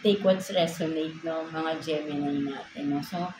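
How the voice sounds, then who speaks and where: A woman's voice: deep voice, steady tone, unhurried. Echoey Filipino woman reading tarot. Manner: code-switching, frequent tag "no?". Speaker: tarot reader. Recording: echoey room with noise.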